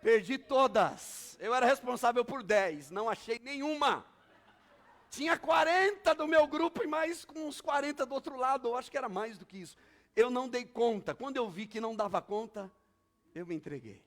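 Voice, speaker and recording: A man's voice: very high voice, normal speed. A male pastor, preaching a sermon with emphatic, repetitive storytelling.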